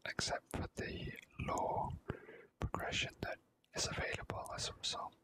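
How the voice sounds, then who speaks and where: A video game player giving whispered ASMR commentary in an unhurried, halting way, thinking aloud.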